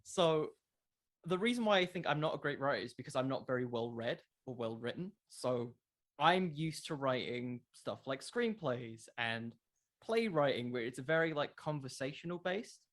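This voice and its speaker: A man's voice: mid-range voice, animated, moderate pace, fairly bright tone. A man speaking as a podcast creator in a casual interview, conversational and emphatic, with a self-deprecating way of talking.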